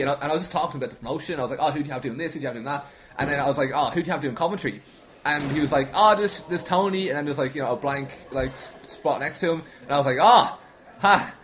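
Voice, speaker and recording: A young Irish man telling casual stories as a guest, animated, self-deprecating and sweary. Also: mid-range voice, slight background noise. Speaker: podcast guest, wrestling commentator.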